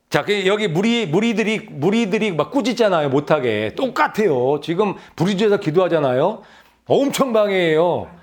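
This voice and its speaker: Male pastor, sermon delivery, high voice, urges the listeners with rhetorical questions and repetition. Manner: exhorting, with rhetorical questions and repeated phrases; addresses the congregation directly.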